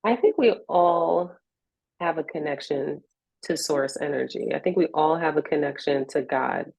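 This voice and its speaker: A woman's voice: deep voice, moderate pace, vocal fry, darkish tone, no echo, low-quality recording. An American woman in a reflective interview conversation, speaking in an earnest, encouraging way. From Richmond, United States.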